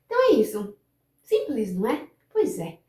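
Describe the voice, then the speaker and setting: A woman whose first language is Portuguese teaches English pronunciation to camera, patiently repeating example words slowly for the viewer to practice. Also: fairly high pitch, wildly swooping pitch, dark tone, echoey room.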